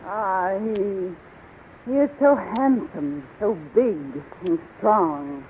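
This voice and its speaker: A woman's voice: medium pitch, animated, very slow. A woman playing an imperious, seductive and scheming sorceress queen with a commanding, theatrical delivery in a 1930s radio serial. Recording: muffled, noisy 1930s radio recording.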